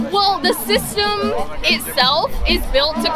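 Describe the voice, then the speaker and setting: A woman speaks with lively intonation. Crowd noise sits in the background, and the room echo is audible. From US, Mexican-American (Chicana). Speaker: student at a campus tailgate. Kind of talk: casual chat.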